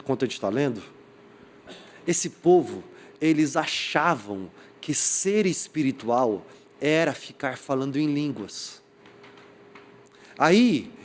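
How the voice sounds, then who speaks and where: A man's voice: mid-range voice, a little hiss or hum. A young adult man from Brazil preaching a sermon, telling a funny personal story and acting out the voices of the people in it. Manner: animated storyteller acting out quoted voices, laughing at himself. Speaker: pastor.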